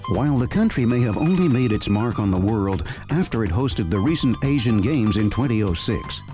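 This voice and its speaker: A man's voice: fairly low pitch, expressive, moderate pace. A man giving polished, scripted documentary narration as a program narrator. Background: music bed.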